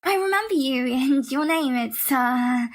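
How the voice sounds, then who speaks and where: A woman's voice: high-pitched, lively intonation, a little slow. A woman playing a scheming, cautious young twin sister in an audio drama. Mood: feigned friendliness. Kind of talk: hobby audio drama acting.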